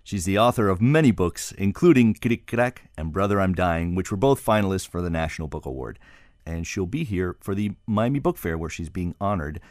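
A man hosting an interview poses long, meandering questions with plenty of fillers. His voice sits low, and the recording is dry and close. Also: lively intonation, a little fast, a little mellow, dry recording. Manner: thoughtful, rambling questions with fillers. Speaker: radio interview host. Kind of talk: conversational interview.

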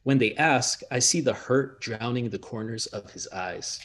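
A Jamaican American man, an author, talking haltingly with many fillers and laughs, and reading from his book. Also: mid-range voice, a bit bright. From United States, of Jamaican family.

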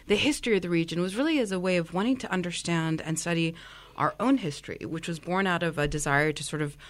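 A woman's voice: on the low side, fast. A woman from Kuwait, a history professor, explaining her background as a radio guest. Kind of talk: radio interview.

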